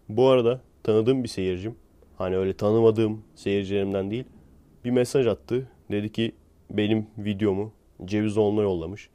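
Sarcastic ranting young man, mellow voice. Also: fairly low pitch, steady tone, normal speed, pauses often, clean tone. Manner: sarcastic, mocking, slangy. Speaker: YouTuber. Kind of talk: casual ranting monologue.

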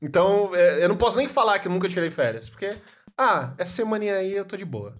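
A man's voice: high voice, animated, fast talker. A young man co-hosting a podcast, chatting casually, slangy and laughing often. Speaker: podcast co-host. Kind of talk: casual chat.

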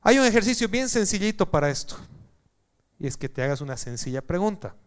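A man preaching a sermon to a congregation, animated and joking, swinging from loud calls to hushed lines. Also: high-pitched, brisk, smooth.

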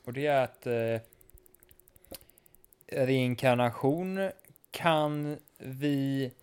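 A man talking casually and philosophically, rambling through his ideas with plenty of hesitant fillers. His voice sits at an ordinary middle pitch. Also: darkish tone, clean tone. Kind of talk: casual chat.

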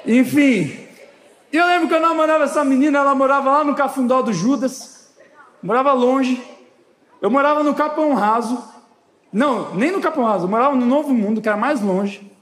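Man, pastor, lively story-driven sermon, quite high pitch, echoing hall. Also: fairly quick. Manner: animated, lively storytelling with quoted dialogue. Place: church hall. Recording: long hall reverb.

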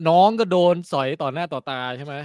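A man chatting casually about a film, excited, trailing off as he searches for words. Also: on the high side, fast talker, crowd noise. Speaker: film discussion panelist. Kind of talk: casual movie chat.

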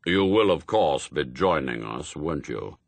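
A man voicing a lofty, imperious heavenly spokesman for God in a storybook, speaking in a pompous, measured, formal way. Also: a bass voice, animated, no echo, pitched below the performer's own voice, heavily acted. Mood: solemn, patronising.

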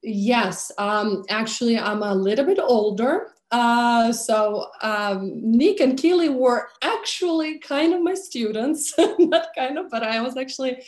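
A woman's voice: on the high side, measured pace, hardly any pauses. A woman, a conductor and pianist, talking in a casual interview with many fillers and easy laughs. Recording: roomy echo.

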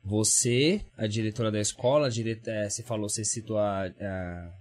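A man's voice: fairly low pitch, steady tone, normal speed. A man with a Brazilian Portuguese accent hosting a livestream interview, asking questions casually and searching for his words. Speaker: host.

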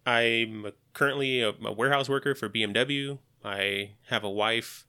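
A man's voice: medium pitch, fairly even intonation, normal speed, bright, forceful tone, smooth. A man in his thirties, a podcast guest, talking in a laid-back, joking way with lots of hesitant fillers. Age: 30s. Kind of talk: casual podcast conversation.

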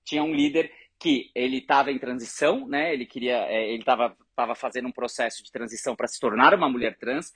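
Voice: medium pitch, fast talker, few pauses, slightly rough, no room sound. A speaker who leads an education group and tells stories earnestly to make a point. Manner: earnest, animated, argues through examples. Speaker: education organization leader. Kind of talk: conversational storytelling.

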